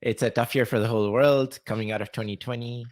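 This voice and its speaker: A man chatting casually on a podcast, relaxed and reflective, with plenty of fillers. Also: mid-range voice, fast, no room sound. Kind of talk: casual chat.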